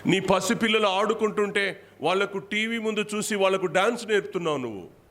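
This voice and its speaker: A man preaching as pastor delivers a Telugu sermon, hammering his congregation with rhetorical questions again and again and repeating phrases to stress them. He speaks a little fast in a high, fairly bright voice.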